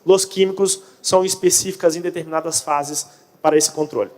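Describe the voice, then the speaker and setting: A man's voice: fairly high pitch, fairly even intonation, a little fast, a little mellow. Brazilian man presenting in Portunhol, echoing hall. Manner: speaks Portunhol, Portuguese mixed with Spanish. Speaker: conference speaker on pest control. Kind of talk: conference presentation. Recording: echoey hall, long reverb.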